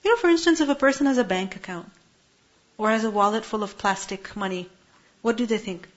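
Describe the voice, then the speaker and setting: A woman's voice: mid-range voice, a little fast. A woman teaching a Quran lesson to a class, explaining Arabic words one by one and posing rhetorical questions to her students. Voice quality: asks rhetorical questions, translates Arabic word by word. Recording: muffled lo-fi recording.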